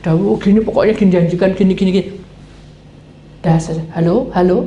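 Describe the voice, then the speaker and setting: Woman pastor, storytelling sermon, warm dark tone, faint hiss on the recording. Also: on the low side, fast, lo-fi sound. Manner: acts out quoted dialogue, animated. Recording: echoey hall, faint noise.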